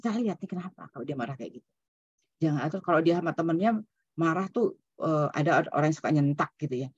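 Her voice sits low, animated and fast, a little mellow with a slightly rough edge, as this female psychologist lectures an online seminar via video call. She talks in a loose, conversational way, using English terms and the tag "gitu ya." The audio is dull with no echo.

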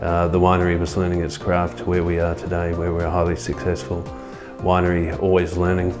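A middle-aged man talking in a filmed interview as a winemaker, halting with many fillers, recorded in a tasting room. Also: low voice, monotone. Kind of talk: documentary interview. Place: indoor winery tasting room. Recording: music bed underneath.

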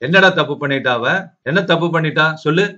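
Brief: man voicing an anguished old grandmother, seventy, firm and pleading; mid pitch, dull lo-fi audio. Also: moderate pace, lightly acted. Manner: lamenting, pleading, sharp rebukes.

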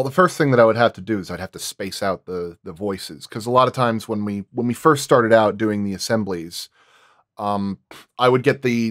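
A man's voice: on the low side, fairly bright tone, no room sound, clean studio sound. A man working as a sound designer explains his craft in detail in a roundtable discussion.

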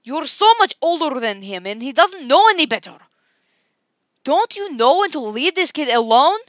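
A woman's voice: sits high, big pitch swings, moderate pace, fairly bright tone, no room sound, clean studio sound, pitched above the performer's own voice. A woman playing a blunt, protective middle-aged circus strongwoman in an audition, firm and emphatic. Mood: stern, scolding.

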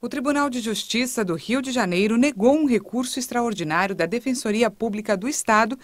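A woman reporter reading a news report voice-over in a brisk, even narration. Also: a little high, no echo.

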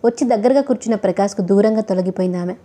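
A woman's voice: medium pitch, rapid-fire, dark tone. A woman narrating a novel as an audiobook, telling the story steadily and expressively. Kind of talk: novel reading.

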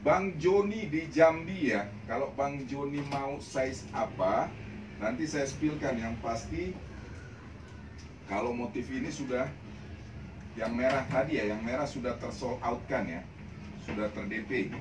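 A man's voice: mid-range voice, a little slow. An older man, chatting upbeat and casual as he sells clothes on a live stream from a small shop. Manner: chatty, upbeat, repeats greetings and slang. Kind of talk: casual live-selling chat. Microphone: phone camera across the shop. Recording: echoey shop with loud noise.

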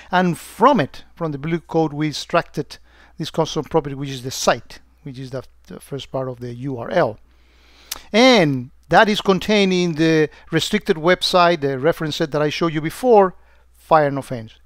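A man walking through a security software demo on screen, talking loosely with many "uh"s and restarts. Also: a little high, dry recording, clean studio sound. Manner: hesitant, many fillers and restarts.

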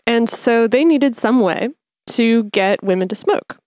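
A woman's voice: on the high side, measured pace, darkish tone, no echo, clean studio sound. A woman interviewer asking curious questions and explaining history in a casual conversation.

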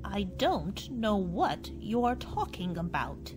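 A woman's voice: mid-range voice, big pitch swings, slow, music in the background. A woman playing a prim, sinister old woman who is secretly a cat creature in a radio horror drama. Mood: cool, indignant. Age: older.

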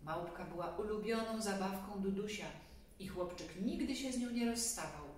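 A woman's voice: mid-range voice, normal speed. A woman in her forties reading a children's story expressively, with casual asides to her young listeners. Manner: expressive, addresses children directly. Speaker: storybook reader. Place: small indoor room, seated on a sofa. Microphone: camera a few metres away. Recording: very echoey room, distant mic, faint noise.

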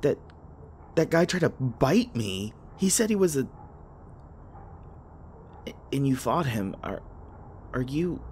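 A man's voice: mid-range voice, big pitch swings, slow pace, long pauses, darkish tone, slight background noise. A man acting a nervous, rambling young human in an audio roleplay, stammering as he talks to the listener. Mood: panicked. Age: young adult.

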